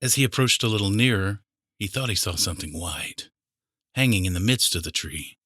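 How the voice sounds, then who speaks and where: A man's voice: lowish voice, animated, brisk, fairly bright tone, no echo. A man reading fiction aloud as a scripted audiobook narrator.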